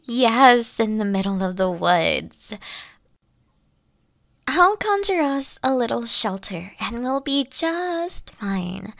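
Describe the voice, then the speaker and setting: Woman acting caring witch gf asmr, high creaky soft voice, tender n coaxing, whispery up close. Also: dry recording, heavily acted. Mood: playful, teasing. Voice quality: soft, breathy, often dropping to whispers. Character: caring, teasing young witch girlfriend soothing her lover. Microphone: close microphone.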